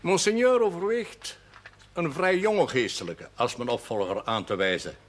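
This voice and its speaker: An actor playing a stern, erudite elderly Catholic priest in a television drama, speaking in a measured, formal way with French phrases. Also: male voice, on the high side, a little hiss or hum, natural voice. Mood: firm, authoritative. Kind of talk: 1970s television drama acting.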